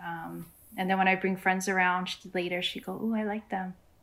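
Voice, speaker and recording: A woman speaks with an American accent at medium pitch and a moderate pace, her intonation fairly even. The recording is very clean, with a silent background. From US, San Diego, California. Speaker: Pacific community member. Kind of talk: casual chat.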